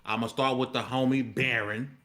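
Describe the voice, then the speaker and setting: A man's voice: medium pitch, fairly even intonation, a little fast, fairly bright tone. Guy hosting a stream, regular mid voice, talks right at the viewers, slangy, hypes them up. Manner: direct, slangy, hyping the audience. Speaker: livestream show host. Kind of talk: casual hosting, addressing viewers.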